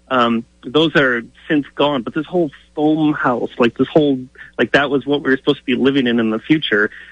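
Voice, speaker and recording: A man talks with an Upper Midwest accent at a fairly high pitch. His pace is fairly quick and his intonation fairly even. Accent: Upper Midwest American. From Minnesota, US. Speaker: author. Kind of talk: radio interview. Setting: phone call.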